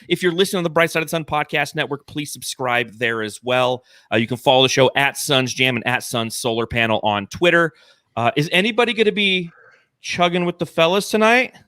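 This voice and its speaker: Bright hyped-up male podcast host. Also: medium pitch, no echo, studio quality. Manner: hype, playful, drawn-out emphasis. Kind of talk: excited sports podcast banter.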